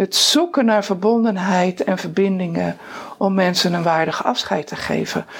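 A woman at a medium pitch uses a normal speaking voice, with ordinary pitch variation and a fairly slow pace. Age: 60s. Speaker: funeral celebrant. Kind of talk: casual chat. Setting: at a table.

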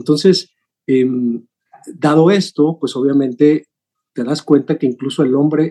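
Dark and mellow in tone yet fairly high in pitch, a man's voice moves at a moderate pace in a dry, close sound with no echo. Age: 30s. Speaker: addiction counselor. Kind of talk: interview.

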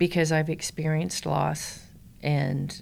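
Vocal fry marks a woman's fairly slow speech in a Midwestern US accent, her intonation fairly even. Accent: US Midwest. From Ohio, then southeastern Indiana from age 11. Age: 50s. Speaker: home daycare operator. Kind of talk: personal testimony in an interview.

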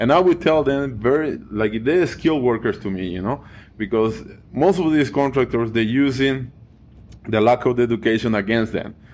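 At a moderate pace, a man with a Spanish accent talks at a medium pitch with ordinary pitch variation. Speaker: construction worker and podcast host. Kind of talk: casual advocacy chat.

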